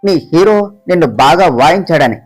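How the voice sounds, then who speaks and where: A woman's voice: lowish voice, fairly quick, a little mellow, faint music behind, voice pushed down, lightly acted. The storyteller plays Satya, a friendly young female coworker who teases her friend. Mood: teasing. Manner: teasing, breezy.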